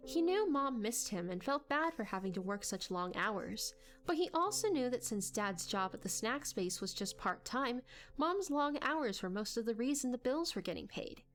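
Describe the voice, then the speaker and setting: Female narrator for dramatic storytelling: higher register, very animated, expressive. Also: normal speed, faint music behind.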